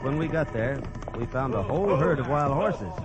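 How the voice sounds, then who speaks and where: A man's voice: mid-range voice, expressive, normal speed, close to an everyday voice. A man narrating and playing the cowboy hero of an old radio western, in an easygoing, plain-spoken way. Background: music.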